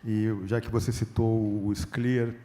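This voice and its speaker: A man from Rio Grande do Sul, a writer speaking on a festival panel, earnest and measured with a few halting restarts. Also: fairly low pitch, little pitch movement, dark tone, big-room sound. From Rio Grande do Sul, Brazil. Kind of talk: conversational panel remarks.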